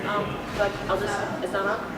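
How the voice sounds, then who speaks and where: A man's voice: high-pitched, monotone, moderate pace, a loud crowd. A man in the audience putting an informal question to a convention panel. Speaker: audience member asking a question. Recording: very echoey hall, distant, clearly noisy.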